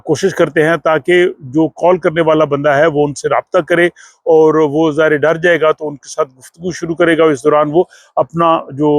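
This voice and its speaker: A man speaks in a somewhat high voice, recorded very dry with no room sound. He presents news to his vlog viewers in an explanatory way, often pausing on fillers as he goes. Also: no echo. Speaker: vlog host.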